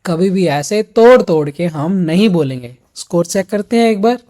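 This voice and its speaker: A man's voice: high-pitched, expressive, normal speed, warm tone. A man coaching students for an exam in an instructional video lesson, explaining each step directly to the viewer.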